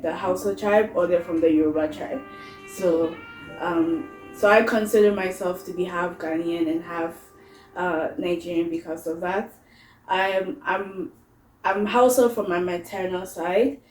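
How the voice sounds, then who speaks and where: Canadian woman, 20s, vlogger; slow, thoughtful delivery, lots of pauses. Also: on the low side, a little mellow, roomy sound, rough recording. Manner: unhurried, thoughtful, with frequent pauses and fillers. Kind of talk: casual chat.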